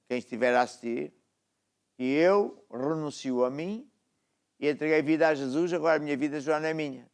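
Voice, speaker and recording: Male preacher, european portuguese accent, middle-aged, fairly high voice, exhorting. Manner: exhorting, asks "está a ver?" often. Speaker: apostle preaching. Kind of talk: sermon with closing prayer.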